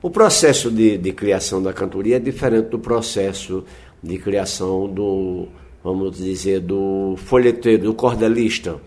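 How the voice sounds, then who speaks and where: A man's voice: low-pitched, unhurried, a little mellow. A man, a folk singer-poet, speaking in a reflective interview and explaining things patiently with frequent tag questions.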